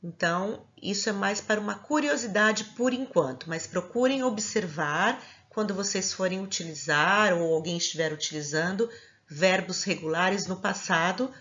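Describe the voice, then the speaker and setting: A woman's voice: mid-range voice, a bit bright, lo-fi sound. A woman teaching a recorded lesson, explaining patiently step by step and checking in with her students. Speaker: English teacher.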